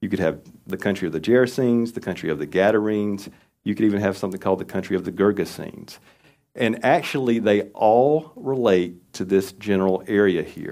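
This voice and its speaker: Here a man with a Southern US accent talks at a fairly quick pace and a fairly low pitch, in a dark, mellow tone with ordinary pitch variation. The recording is very clean, the background silent. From US South, upstate South Carolina. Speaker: church elder, lay preacher. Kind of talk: sermon. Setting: church.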